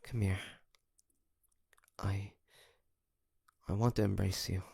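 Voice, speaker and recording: A man playing an earnest, tender young demon hunter in love, speaking softly and haltingly in an intimate romantic audio drama. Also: sits low, flat delivery, creaky, husky, heavily acted. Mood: tender, forgiving. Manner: hesitant, halting, soft-spoken with sighs.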